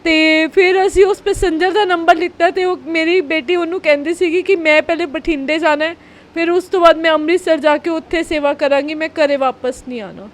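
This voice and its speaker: A woman, a tearful and upset mother answering a reporter's questions in halting, repeated phrases. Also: extremely high pitch, fairly even intonation. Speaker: mother of a missing girl.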